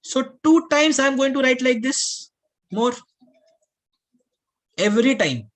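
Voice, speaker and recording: A man's voice: very high voice, animated, slow pace. South Asian male teacher explaining step by step. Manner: repetitive, checks understanding with questions; mixes English with Hindi. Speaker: aptitude teacher. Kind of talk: classroom lesson, explaining step by step.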